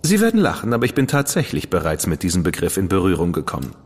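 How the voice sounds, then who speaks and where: An actor playing a witty, flamboyant dandy writer in a radio drama, speaking in a theatrical, playful and flowery manner. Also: male voice, low voice, huge pitch swings, fast talker, slightly rough, big-room sound, full character voice. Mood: amused, flowery. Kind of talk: German studio radio drama acting.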